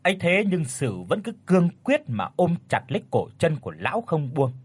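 A man tells a horror story in a husky voice that rises and falls with lively range. The recording is dry and close, with faint music playing underneath. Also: a little high, a little fast, no room sound. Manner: dramatic, expressive. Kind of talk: scripted horror narration.

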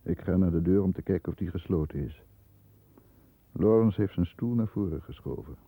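An actor playing a stern, disdainful middle-aged lawyer who narrates his own thoughts in a measured way in a 1960s radio drama, heard on a muffled old recording. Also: deep voice, slightly rough, no echo. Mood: tense, impatient. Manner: measured, introspective first-person narration.

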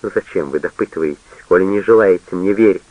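A man's voice: sits low, a little fast, dry recording, narrow, tinny audio. A man voicing a tearful, defiant teenage girl who pleads in a childlike way.

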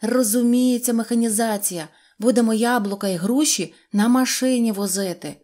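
A woman's voice: fairly high pitch, moderate pace, dark tone, lightly acted. A helpful little driver boy states things plainly and cheerfully, as a woman reads him. Straightforward and eager to help. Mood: matter-of-fact. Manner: matter-of-fact. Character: helpful young boy driver, matter-of-fact.

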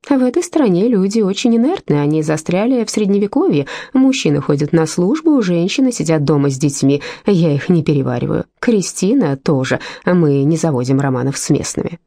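Expressive woman reading a novel. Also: lowish voice, no room sound, clean studio sound. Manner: measured, expressive reading with lively intonation. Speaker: audiobook reader. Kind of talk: literary audiobook narration.

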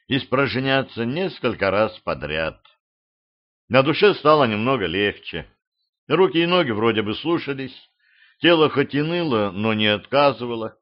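A man reading an audiobook as narrator, with steady, even storytelling. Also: medium pitch. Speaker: audiobook reader. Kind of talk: scripted narration. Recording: slightly dull lo-fi audio.

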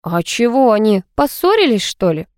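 A woman voicing an excitable, teasing female student friend in an audiobook. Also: fairly high pitch, normal speed, smooth, no room sound, studio quality.

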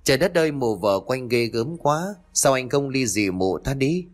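A man's voice: mid-range voice, animated, normal speed, pitched above the performer's own voice, natural voice. A sly young mistress speaks in a coaxing, gossipy tone, voiced by a male narrator. She sounds eager to stir up trouble. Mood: scheming. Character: scheming young mistress, wheedling.

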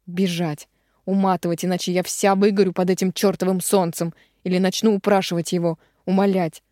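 A woman voicing a fiery young woman who pleads, shouts and turns coldly angry, read in an audiobook. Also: lowish voice, flat delivery, brisk, no echo, clean studio sound, lightly acted. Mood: frantic. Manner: pleading then shouting, sharp and cold.

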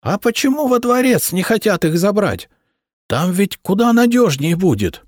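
A man voicing a worried elderly convent abbess in an audiobook, asking slow, fretful questions. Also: high voice, very animated, no room sound, clean studio sound, pitched above the performer's own voice. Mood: anxious.

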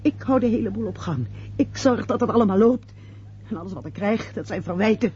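Actress as mellow, domineering showbiz mother. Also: mid-range voice, expressive, slight background noise, natural voice. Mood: wounded, composed. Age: middle-aged. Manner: brisk, theatrical, managing. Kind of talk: Dutch radio play acting. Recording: dull lo-fi radio play recording.

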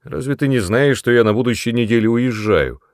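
A man's voice: medium pitch, fairly quick, no room sound, studio quality, pitched above the performer's own voice, close to an everyday voice. A man reading a storybook voicing an irritable, self-important young brother who snaps sharply. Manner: sharp, snapping, louder than the narration. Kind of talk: audiobook character voice.

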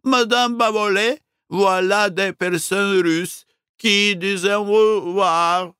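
A man's voice: sits high, fairly even intonation, slow, bright, forceful tone, clean tone, no room sound, clean studio sound, voice pushed up, full character voice. A man voicing a very young French waitress with a French accent, eager to help.

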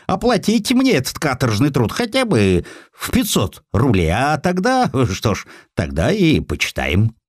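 Мужчина играет жалобный корыстный цензор, голос повыше. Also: male voice, mid-range voice, huge pitch swings, moderate pace, slightly rough, no echo, studio quality, voice pushed up. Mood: plaintive bargaining. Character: self-pitying, grasping male government censor demanding payment.

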